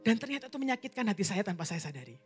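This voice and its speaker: A woman evangelist preaching a sermon, telling a personal testimony in a lively storytelling way and speaking directly to the congregation. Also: medium pitch, rapid-fire, husky, faint music behind.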